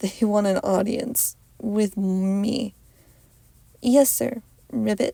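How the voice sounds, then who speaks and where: A woman uses a put-on, croaky character voice at medium pitch. She talks very slowly, with long, frequent pauses. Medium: read story. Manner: formal, deferential, ends lines with a croak.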